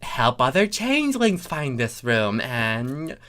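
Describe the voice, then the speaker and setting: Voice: mid-range voice, very animated, takes it slowly, fairly bright tone. A reader voicing a naive, agreeable young male changeling pony in a comic fan fiction reading, earnest and a little hesitant.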